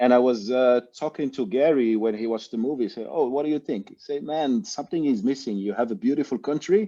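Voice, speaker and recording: A man with a French accent at a medium pitch, dark and mellow in tone, talking at a very fast pace with hardly any pauses. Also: ordinary pitch variation, quiet background. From Morocco. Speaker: film director. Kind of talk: interview.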